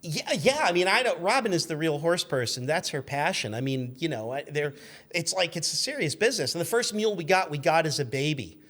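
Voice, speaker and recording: A man in his fifties telling anecdotes in an animated, chatty way as a podcast guest. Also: a little high, a little fast. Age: 50s. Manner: chatty, acts out quoted shouts. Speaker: podcast guest, magazine editor.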